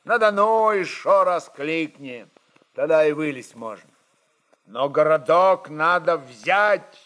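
A man's voice: a little high, animated, takes it slowly, fairly bright tone. A man voicing a stern, resolute Cossack rebel chieftain who speaks in terse commands, in a literary radio drama. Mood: firm, urging.

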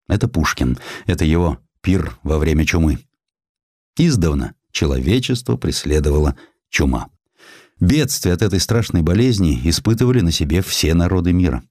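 A man reading historical prose as an audiobook narrator, in a measured, expressive, literary storytelling manner. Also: sits low, no echo, studio quality.

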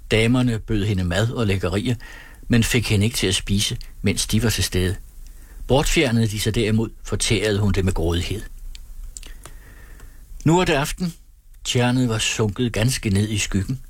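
A man reading aloud from an old novel in a measured, unhurried way, with a husky voice. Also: fairly low pitch, no room sound.

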